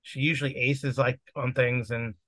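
A man's voice: medium pitch, flat delivery, normal speed, fairly bright tone, dry recording. Guy running a tabletop game on a video call, rambly, loose, dry close mic. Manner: rambling, with many fillers and restarts. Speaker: game master and podcast host. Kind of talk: casual chat before a tabletop game. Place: home setup on a video call.

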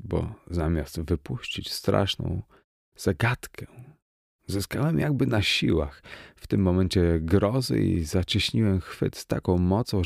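Gravelly low-voiced man reading horror. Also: no room sound, studio quality. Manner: tense, expressive, rising to cries in the quoted lines. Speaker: audiobook narrator. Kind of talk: dramatic reading of a first-person horror story.

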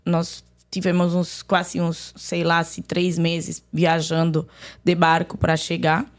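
A woman from Lebanon, raised in Argentina, with an accent mixing Arabic and Argentine Spanish, giving her personal testimony on a podcast in a halting way with many restarts. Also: on the low side, completely flat delivery. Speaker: podcast guest. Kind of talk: personal testimony in casual conversation.

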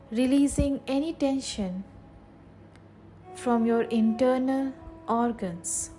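A woman leading a guided meditation in a soothing, measured way, leaving long pauses between short phrases. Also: fairly high pitch, warm tone.

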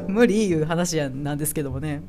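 Lively Kansai-accented woman chatting. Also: low voice, normal speed, slight background noise. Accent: Kansai Japanese. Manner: chatty, laughs often, lively quoting of characters. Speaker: podcast host. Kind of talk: casual solo chat about anime.

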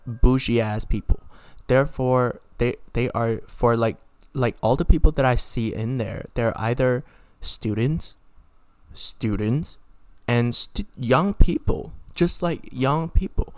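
A man's voice: medium pitch, no room sound. A young man from Hong Kong vlogging his opinions in a casual, rambling way, bluntly swearing and often rephrasing himself. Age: young adult.

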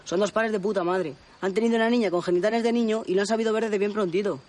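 An actor playing a quick-tongued, defensive young man at a summer camp, firing back sharp, exasperated retorts in film dialogue. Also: high-pitched, steady tone, lightly acted. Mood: bickering.

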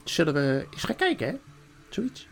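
A man putting on the White Witch, high and honeyed. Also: wildly swooping pitch, vocal fry, faint music behind, exaggerated voice. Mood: sly wheedling. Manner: honeyed, wheedling, drawn-out singsong. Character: coaxing, scheming White Witch queen, woman.

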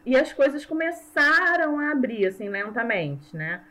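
A woman from Brazil with a Brazilian Portuguese accent, a language teacher chatting as an interview guest, self-mocking and quick to laugh. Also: high-pitched, sing-song, sharp tone, low-quality recording. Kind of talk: casual conversational interview.

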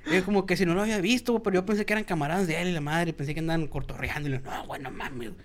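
A man's voice: sits high, steady tone, racing. A man with a Mexican accent, hosting a podcast and telling a story in a casual, slangy way, acting out the people he quotes. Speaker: podcast host.

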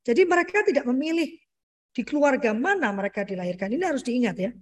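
A middle-aged woman speaking as a parenting guest in a casual interview, animated and explanatory, often ending her points with "gitu ya" and addressing the host as "Pak". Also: sits high, quick pace. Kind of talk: conversational interview talk.

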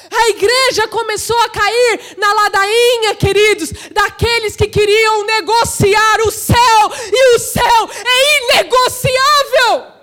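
A woman preaching a sermon with fervor. She often shouts and asks the congregation rhetorical questions. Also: very high-pitched.

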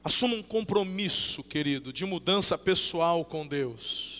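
Fervent high-voiced male preacher, hall reverb. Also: lively intonation, unhurried. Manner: swings from shouted outbursts to low intimate talk; fervent and emotional, acts out dialogue. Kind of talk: sermon. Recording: long reverb of a large hall.

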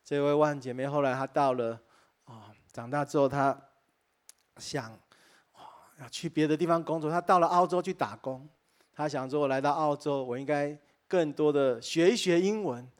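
Earnest higher-pitched male pastor preaching. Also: normal speed. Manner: earnest storytelling, frequent exclamations of wonder; addresses listeners directly and warmly as dear friends. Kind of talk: sermon. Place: church, preaching to a live congregation.

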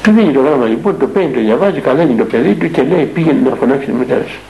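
A man's voice: mid-range voice, animated, a little mellow, low-quality recording. An older man, a monastic elder and spiritual father from Greece, telling a story in a radio interview in an earnest, rambling way with many fillers and restarts.

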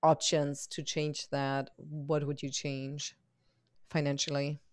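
Casting: female interview host, native German speaker with a German accent, lower-pitched, smooth clear voice, casual chat. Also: level tone, takes it slowly, dry recording.

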